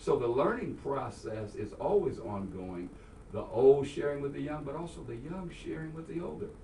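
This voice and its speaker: Loudness swings widely as a man speaks at a moderate pace amid noticeable background noise and audible room echo. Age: 60s. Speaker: pastor. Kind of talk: radio interview.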